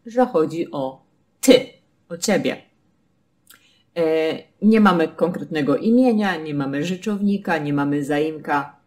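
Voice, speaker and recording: A woman's voice: low-pitched, a little mellow. A woman teaching a language lesson, patiently explaining grammar rules with spoken example sentences.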